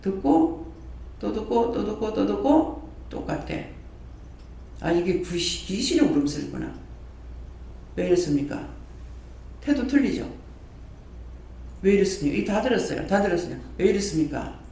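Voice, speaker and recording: A male pastor delivers a sermon, his high voice leaping up and down as he repeats phrases and fires questions at his listeners. He is recorded from far off in a very echoey prayer hall. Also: normal speed, slight background noise. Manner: animated preaching, repeats phrases, quizzes the congregation.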